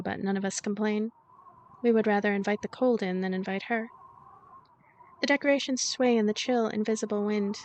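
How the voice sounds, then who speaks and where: A woman hosting a let's play, reading a visual novel aloud as expressive narration with casual commentary. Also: mid-range voice, a little hiss or hum.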